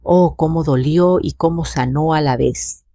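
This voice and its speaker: An older woman narrating a first-person family drama in a steady, dramatic way. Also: deep voice, unhurried, gravelly, no echo.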